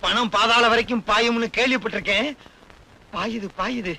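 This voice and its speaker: An actor playing a sly comic swindler who fumbles for excuses, in an old film comedy. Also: male voice, sits high, animated, moderate pace, a crowd in the background. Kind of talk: 1980s comedy film acting.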